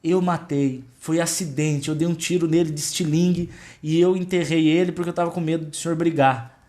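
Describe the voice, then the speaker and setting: A man's voice: fairly high pitch, fairly even intonation, brisk, darkish tone, voice pushed down, lightly acted. A man voicing a frightened young boy who tearfully confesses to his father in a story told during a sermon. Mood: pleading. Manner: pleading, tearful.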